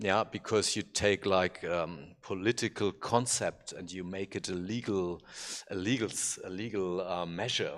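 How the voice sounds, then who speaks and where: A man speaks with a German accent at a fairly slow pace. The recording is very clean, and the background is silent. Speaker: law professor. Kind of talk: panel discussion. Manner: halting, many fillers.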